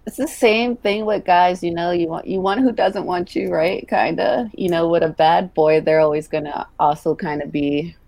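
A woman co-hosting a podcast in relaxed casual chat, with a lot of "like" fillers. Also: fairly low pitch, moderate pace, hardly any pauses, no room sound. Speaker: podcast co-host.

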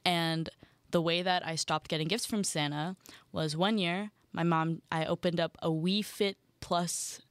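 A young woman with a slightly low voice co-hosts a relaxed chat, tossing in wry, deadpan remarks. The recording is close and dry, with no room sound. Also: unhurried, clean tone, dry recording. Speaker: podcast co-host. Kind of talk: casual chat.

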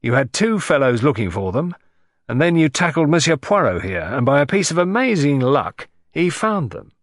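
A man's voice: fairly high pitch, very animated, moderate pace, no echo, clean studio sound, voice pushed up. A man doing a bluff hearty police inspector. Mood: gloating.

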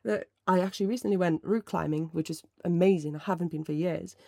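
Thirties, gravelly, dry close sound, rambling solo chat. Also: medium pitch, fast, dry recording. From Finland. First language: Finnish. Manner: mellow, rambling, self-correcting. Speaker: podcast host. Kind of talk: casual solo chat answering listener questions.

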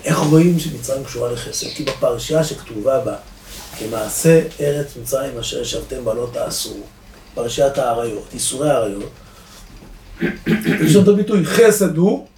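A man, a rabbi giving a lively Torah lesson to a live audience, asking rhetorical questions and swinging between loud and soft. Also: mid-range voice. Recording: echoey room, distant mic, faint noise.

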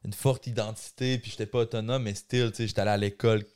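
A man with a Québécois accent, a guest musician answering podcast questions in a relaxed, slangy, conversational way. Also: fairly low pitch, quick pace, clear, resonant tone. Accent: Québécois French. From Quebec City, Canada. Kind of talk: casual podcast interview.

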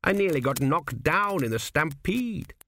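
Man doing crude old ancestor ghost, cynical swindler, slow gruff drawl, raised voice, lively. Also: fairly high pitch, a little hiss or hum, voice pushed up. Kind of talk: audiobook character voice.

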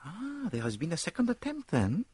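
A man's voice: sits high, wildly swooping pitch, normal speed, darkish tone, husky, no echo, pitched above the performer's own voice, heavily acted. A man reading aloud, voicing a fussy, vain male detective with a grand, precise manner.

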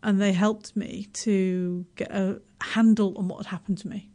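Her voice is mid-range and dark, with little pitch movement. She's a middle-aged woman from Yorkshire with the accent to match, chatting as a radio guest in a relaxed interview, laughing a lot, teasing herself, and restarting sentences as she stumbles along.

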